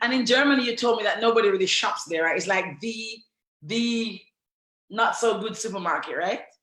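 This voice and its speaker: Amid audible room echo, a woman speaks in an animated tone at a fairly quick pace with ordinary pitch variation. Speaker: live show host and coach. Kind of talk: live video interview. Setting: livestream video call. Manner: fast.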